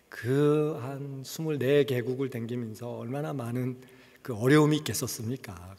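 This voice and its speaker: A middle-aged missionary gives a conversational sermon in a church sanctuary, sharing personal testimony and dropping English words into his speech. His mid-range voice is husky and a little mellow, and the recording carries long church reverb.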